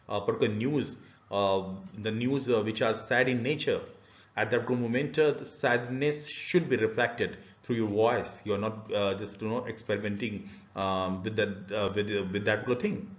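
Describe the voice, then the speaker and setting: A middle-aged man with an Indian accent giving an explanatory online lecture, phrasing haltingly with many filled pauses. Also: mid-range voice. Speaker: university lecturer. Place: small indoor room. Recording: dull, boxy, roomy webcam audio.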